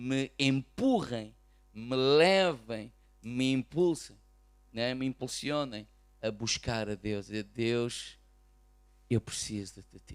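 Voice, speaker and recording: Speaking very slowly with long, frequent pauses, a man in a European Portuguese accent uses a medium pitch with ordinary pitch variation and big swings in loudness. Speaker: pastor. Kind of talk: sermon.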